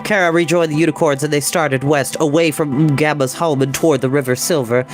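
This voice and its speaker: A man reading a children's fantasy novel aloud as an expressive storyteller. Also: a little high, a little fast, soft background music. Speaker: storybook reader. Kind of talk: expressive scripted narration.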